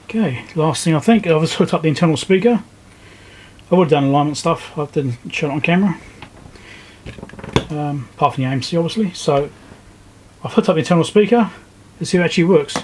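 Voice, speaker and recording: A man's voice: on the high side, animated, quick pace, long pauses, darkish tone, a little hiss or hum. A man talking casually and thinking aloud as he hosts a hands-on electronics repair walkthrough. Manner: informal, thinking aloud while working. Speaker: electronics repair video host. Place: indoor electronics workbench.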